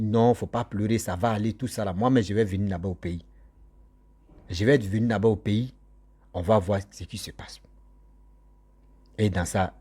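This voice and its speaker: A man's voice: on the low side, breathy edge. A man telling a ghost story casually, laughing often and acting out the people in it.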